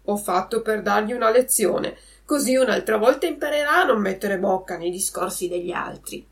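A woman's voice: medium pitch, normal speed, far from the mic, natural voice. A woman voicing a scheming male cat pretending to be blind. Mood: smug.

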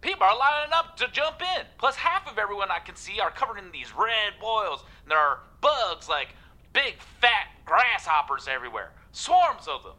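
Actress as a panicky, rambling office gal in a radio play, bright voice swooping up and down. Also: female voice, mid-range voice, very animated, normal speed. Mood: rattled. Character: frantic Southern office worker woman, folksy. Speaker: caller. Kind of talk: radio drama acting.

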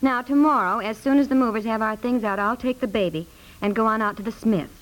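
An actress playing a practical, soothing married housewife in a naturalistic 1950s radio comedy-drama. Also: female voice, a little high, fairly quick, natural voice, poor audio. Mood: matter-of-fact. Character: practical, chatty married housewife and mother, gently apologetic.

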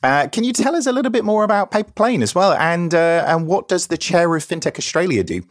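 Male presenter, English accent from East Anglia, informal and chatty, very varied pitch, for hosting a panel podcast. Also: big pitch swings, a little fast, no room sound, studio quality. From England. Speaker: podcast host.

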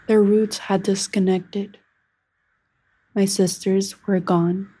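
A woman voicing an earnest young maize plant reborn as a human, narrating a first-person story in a deliberate, emotive way. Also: mid-range voice, flat delivery, warm tone, slightly rough. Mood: sorrowful. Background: music.

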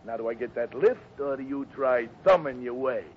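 A man playing a rude, shifty convict with gruff, slangy speech in a 1950s radio drama. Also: medium pitch, moderate pace, close to an everyday voice. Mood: demanding. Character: rude, shifty escaped convict posing as mechanic. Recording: muffled, noisy old radio recording.

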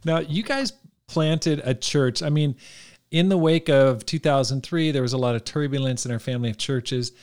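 A man's voice: mid-range voice, moderate pace, a little mellow. A man hosting an interview, asking friendly, curious questions and laughing along with his guests. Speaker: podcast host, interviewer.

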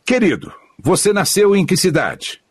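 A man's voice: sits high, very animated, moderate pace, breathy edge, dry recording. An older man hosting a radio podcast from home, friendly and teasing, with a broadcaster's delivery over a remote link. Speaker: podcast host. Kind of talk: warm interview hosting. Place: home in a small room. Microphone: remote online recording.

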